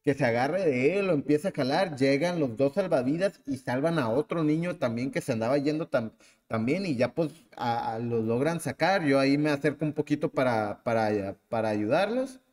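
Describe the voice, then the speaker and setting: A man in his thirties with a Mexican accent, hosting a podcast and telling a personal story in a lively, casual way. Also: mid-range voice, moderate pace, long reverb tail. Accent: Mexican Spanish. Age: 30s. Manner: animated, acts out the people in his story. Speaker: podcast host.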